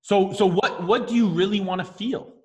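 A man with a Canadian accent leads a coaching session, his voice sitting a touch high. He asks encouraging questions and restarts his sentences often. A long reverb trails behind his voice. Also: moderate pace. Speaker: mindset coach.

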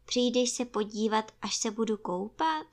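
A woman voicing an eager, excited little boy who asks pleading questions. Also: a little high, natural voice.

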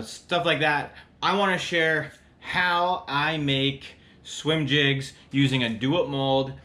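A man's voice: medium pitch, bright, forceful tone. A man hosting a fishing show, talking casually through a how-to with chatty fillers and repeats. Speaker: fishing podcast host.

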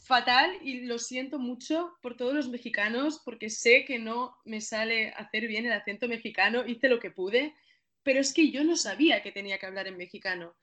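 A young woman with a Spain Spanish accent talks through an interview, quick to apologize and laugh at herself. Her voice sits a bit high and comes out bright and forceful. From Catalonia, Spain. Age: 20s. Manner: apologetic, self-deprecating, chatty. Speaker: actress guest. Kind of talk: casual interview.

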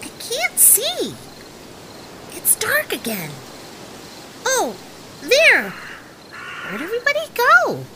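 A woman's voice: extremely high pitch, huge pitch swings, slow pace, long pauses, heavy background noise, exaggerated voice. A woman playing an eager, wheedling little child in an audio drama, coaxing and exclaiming with wonder. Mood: curious wonder.

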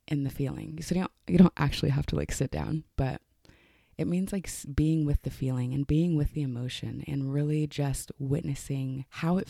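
A woman's voice: deep voice, creaky, warm tone, no echo, clean studio sound. A woman hosting a casual self-help podcast, talking loosely with many fillers. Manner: chatty, lots of "like" and "you know" fillers. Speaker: podcast host.

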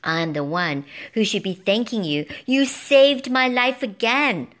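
Woman doing a squeaky, jittery mouse hero. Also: unhurried, fairly bright tone. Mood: nervous squeaking. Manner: squeaky, stammering. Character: timid male mouse hero, jumpy.

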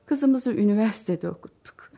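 In a radio drama, a warm-hearted but fretful middle-aged mother chats away emotionally, lurching from sighs to outbursts. Her worried voice is creaky at a normal pace, its pitch swinging in wide, lively sweeps.

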